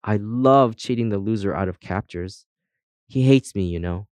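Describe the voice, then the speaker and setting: A man's voice: lowish voice, moderate pace, darkish tone, clean tone, no echo, lightly acted. A man voicing a chatty, cheerful female compass in a children's audiobook, with breezy, boastful colloquial talk.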